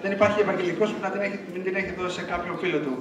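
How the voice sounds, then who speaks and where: A man's voice: high voice, fairly even intonation. A man acting as emcee at a church dinner, formally thanking guests and introducing the next speaker. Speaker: event emcee. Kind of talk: emcee announcements. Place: hall at a church dinner gathering. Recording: echoey hall from far off with a crowd.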